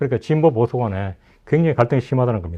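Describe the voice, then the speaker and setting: A man talks in a medium pitch, his intonation lively and full of movement. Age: 60s. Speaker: diplomat. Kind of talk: lecture. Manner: halting.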